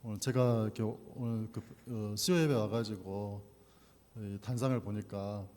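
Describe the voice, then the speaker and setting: A man's voice: fairly low pitch, steady tone, normal speed, a little mellow. Male preacher in a reverberant church hall. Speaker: pastor preaching at a church service. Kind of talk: sermon with scripture reading and prayer. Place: church hall, speaking from the pulpit. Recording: echoey hall with long reverb.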